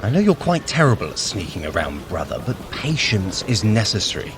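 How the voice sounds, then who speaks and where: Brief: a scheming trickster god for an audio adventure, deep but highly varied in pitch, haughty, dry, condescending. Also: male voice, sing-song, a little fast, background noise. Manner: haughty, dry, formal old-fashioned phrasing. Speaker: fitness workout guide character. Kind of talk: scripted audio adventure acting.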